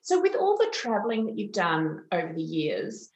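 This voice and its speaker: A woman hosts an interview podcast with eager, upbeat questions. Her voice sits at a middle pitch in a noticeably roomy, echoey space. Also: wildly swooping pitch. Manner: enthusiastic, warm interviewer with quick follow-up questions. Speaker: podcast host. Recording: roomy echo.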